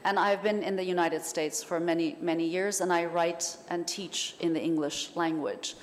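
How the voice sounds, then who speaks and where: A woman whose first language is Persian, a writer speaking as a panel guest in a thoughtful, measured way. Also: on the low side, fairly even intonation. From Iran. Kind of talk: festival panel talk. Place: hall at a literature festival. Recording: hall reverb, faint noise.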